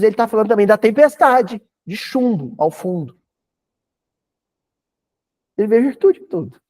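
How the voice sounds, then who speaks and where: A man with a Brazilian Portuguese accent giving a spiritist talk in a folksy, animated way, with humorous asides. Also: on the high side. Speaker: spiritist lecturer.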